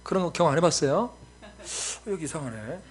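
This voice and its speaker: A man in his forties, a missionary preacher giving a sermon, telling stories with lively acted-out voices. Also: a little high, fast talker, husky. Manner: animated storytelling, acts out voices.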